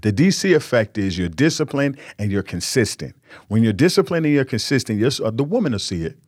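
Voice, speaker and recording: A man's voice: mid-range voice, sing-song, brisk, a little mellow, no room sound, studio quality. A middle-aged man from New York, a podcast host giving frank Christian relationship advice in an earnest, preachy, candid way, leaning on repeated emphatic words.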